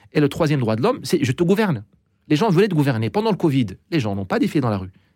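A man rushes along at a very fast pace with a dark, mellow tone and very wide pitch swings, recorded very cleanly over a silent background. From Morocco. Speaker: author and lecturer on international relations. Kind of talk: radio interview. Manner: halting, with many repeated words.

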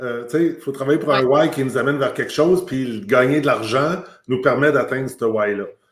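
A man with a Quebec accent and a medium pitch, fairly quick in pace, with audible room echo. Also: ordinary pitch variation. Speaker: team coach. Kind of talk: interview. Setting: live stream.

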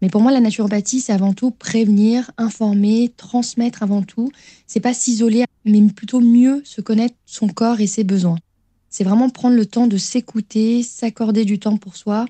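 A woman with a fairly high pitch and a somewhat breathy voice talks at a fairly slow pace with fairly even intonation. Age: 30s. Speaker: naturopath. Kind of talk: explanatory monologue.

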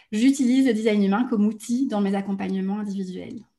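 The voice has a dark, mellow tone, sounds somewhat breathy, and keeps a fairly even intonation. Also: woman. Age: 30s. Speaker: life coach. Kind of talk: casual chat.

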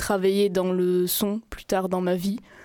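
A woman's dark, mellow tone, fairly slow and fairly even in intonation, on a very clean recording with a silent background. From French Pyrenees. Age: 20s. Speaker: community radio presenter. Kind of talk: casual chat.

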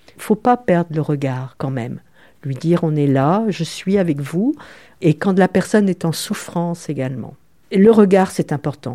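A woman speaks with a very deep, low pitch, a dark, mellow tone and lively intonation. Her moderate pace comes through on a very clean recording with a silent background. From grew up partly in the Orient, then France. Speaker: retired prison guard, author. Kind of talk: testimony.

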